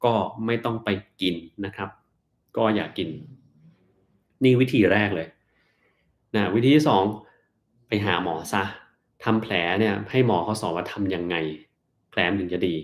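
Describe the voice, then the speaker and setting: A man's voice: lowish voice, unhurried, pauses often. A man, a doctor on a live stream, who reads out viewers' questions and answers them bluntly.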